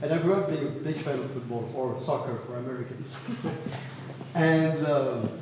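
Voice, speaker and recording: A man's voice: mid-range voice, moderate pace, noisy background. A young man from France with a French accent, giving an academic thesis presentation in an earnest way with frequent fillers and restarts. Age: young adult. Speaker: student presenter. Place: echoey university hall. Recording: roomy hall reverb, faint ambience.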